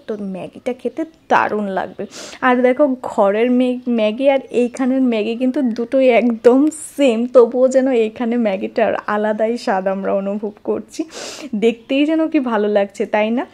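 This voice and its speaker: A woman's voice: on the high side, dark tone. A woman doing a casual travel vlog voice-over, chatting directly to her viewers. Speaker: travel vlogger.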